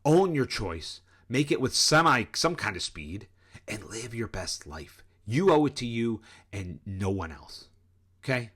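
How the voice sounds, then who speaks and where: Worked up middle-aged guy preaching at the camera, intense and direct, mid-pitch voice. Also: big pitch swings, measured pace, a bit bright, husky. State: worked up and sweating. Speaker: life coach and channel host. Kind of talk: motivational rant to camera.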